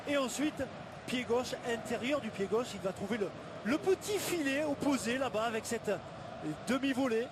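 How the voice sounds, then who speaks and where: An excited man analyses football replays as co-commentator, pitched very high. He is emphatic and repeats words as he goes. Heavy stadium noise sits behind his sports commentary. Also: normal speed. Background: loud stadium ambience.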